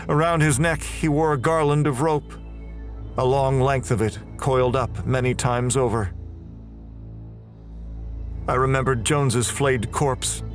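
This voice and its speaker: A man performing scripted, dramatic first-person narration for a horror audio drama. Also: medium pitch.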